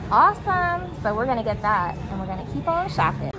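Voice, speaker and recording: A woman's voice: a little high, sing-song, brisk. A young American woman giving casual, enthusiastic shopping commentary as she gushes over items in a store. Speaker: shopping vlogger. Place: inside a discount retail store. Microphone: handheld camera or phone, held by the speaker. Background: music.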